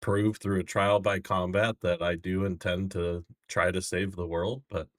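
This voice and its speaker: A man playing a weary, resigned prisoner adventurer in a tabletop game, confessing bluntly and haltingly. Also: deep voice, flat delivery, no room sound, studio quality.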